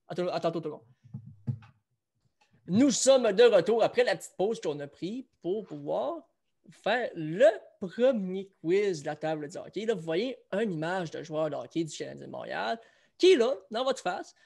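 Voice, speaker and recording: A man's voice: high voice, lively intonation, moderate pace, gravelly, a little mellow, breathy edge. A man with a Quebec French accent hosts a casual sports chat show. He talks loosely and keeps things moving as he runs a trivia quiz for viewers. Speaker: host.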